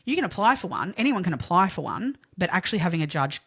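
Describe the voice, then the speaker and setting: Low-voiced Australian woman, halting explainer. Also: big pitch swings, fairly bright tone, slightly rough. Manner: explanatory, hesitant with frequent fillers and restarts. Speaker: podcast co-host. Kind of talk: casual true-crime chat.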